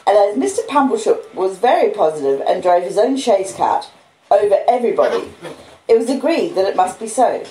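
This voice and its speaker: A woman's voice: medium pitch, sing-song, a little fast, mellow. Australian female storyteller, mid-range voice, live-stream reading in a roomy, echoey space with light background noise. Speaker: streamer reading novels aloud. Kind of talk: expressive audiobook-style reading of a classic novel with casual chat. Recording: roomy echo, clear background noise or hiss.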